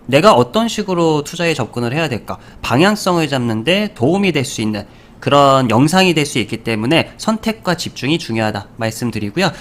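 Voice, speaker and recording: A man's voice: fairly high pitch, fairly bright tone. A man hosting a stock market channel, talking casually over charts, full of fillers, rhetorical questions and little puns.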